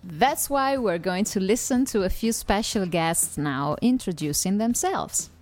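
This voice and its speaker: A woman's voice: medium pitch, animated, measured pace, a little mellow, soft background music. A woman hosting an English-learning podcast, talking in an upbeat, teacherly way. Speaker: podcast host.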